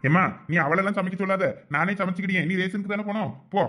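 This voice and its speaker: A voice actor doing a rapid-talking lazy village husband. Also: medium pitch, fairly even intonation, fairly bright tone, natural voice. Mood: impatient. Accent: Thoothukudi Tamil.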